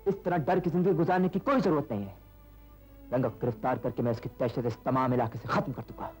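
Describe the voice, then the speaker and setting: A man's voice: mid-range voice, fast talker, over music, close to an everyday voice, low-quality recording. An actor playing a determined male police officer who vows to arrest a bandit. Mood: resolute.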